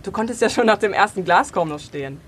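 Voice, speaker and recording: A woman's voice: mid-range voice, expressive, husky. A woman voicing a quarrelsome tourist who talks defensively and snaps at the others. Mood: snappish. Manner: rapid, defensive, snapping.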